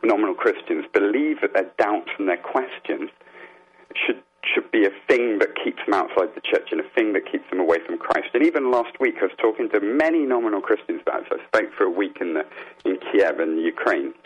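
A man speaking as an interview guest, explaining things in an earnest, reflective way and halting as he gathers his thoughts. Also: lowish voice, animated, husky. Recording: dull, muffled phone-like line.

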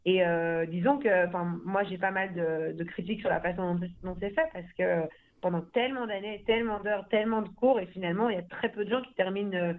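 A woman's voice: on the low side, brisk. A woman from Belgium, talking casually and chattily about her life and languages. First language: French. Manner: chatty, many fillers and restarts, laughs easily. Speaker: language school founder. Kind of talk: casual interview talk. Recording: phone-like narrow sound.

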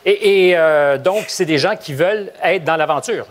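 A man with a Québécois accent hosting a studio panel debate, lively and probing, joking with his guests. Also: fairly high pitch, moderate pace. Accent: Québécois French. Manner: lively, asks probing questions, jokes with guests. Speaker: talk show host. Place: TV studio with live audience.

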